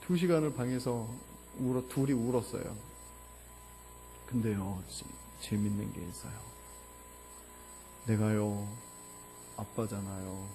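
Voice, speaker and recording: Korean pastor in an emotional sermon. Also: male voice, steady tone, slow, long pauses, soft background music. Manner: emotional storytelling, mostly low and hushed, rising to loud fervor. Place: church sanctuary.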